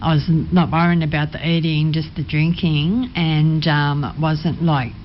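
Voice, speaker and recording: A woman from Sydney, telling her story as a studio guest, hesitant and soft-spoken with many pauses. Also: low voice, little pitch movement, muffled recording, slight background noise. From Sydney, Australia. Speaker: interview guest. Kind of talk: personal testimony. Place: radio studio.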